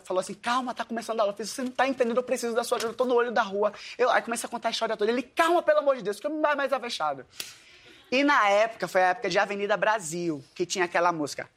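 Amid background noise, a high-voiced man from Paraíba tells a comic story to an audience in his Northeastern Brazilian accent. He is a dance teacher appearing as a guest storyteller, and he animatedly acts out his own dialogue and the voices of everyone in the story.

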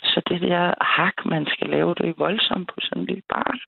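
Woman caller, gravelly, chatty storyteller who laughs often, tinny phone line, dry sound. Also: fairly low pitch, dry recording. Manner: lively, chatty, laughs between sentences. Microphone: telephone.

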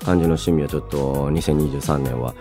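A man's voice: a bass voice, steady tone, fairly quick, warm tone. A man in his thirties hosting a casual radio show, chatting playfully and reading listener mail in a polite but loose way, often chuckling at himself. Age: 30s. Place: radio studio. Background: background music.

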